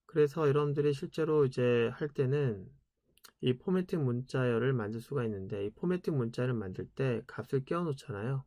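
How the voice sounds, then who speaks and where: A man's voice: medium pitch, a little mellow, no echo, clean studio sound. A man giving a casual programming lecture, chatty, asking rhetorical questions and answering them himself.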